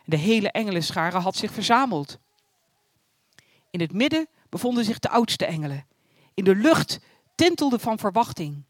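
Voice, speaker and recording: Calm storybook narrator. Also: mid-range voice, normal speed, long pauses, no room sound, clean studio sound. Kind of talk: scripted narration of a religious story.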